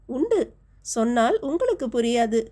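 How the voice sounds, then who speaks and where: Woman narrator doing a coy noble lady in an audiobook, short teasing replies, mellow and a bit high. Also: very animated, a little slow. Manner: teasing, gently warning replies. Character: young noblewoman, teasing and guarded lover. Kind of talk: audiobook character dialogue.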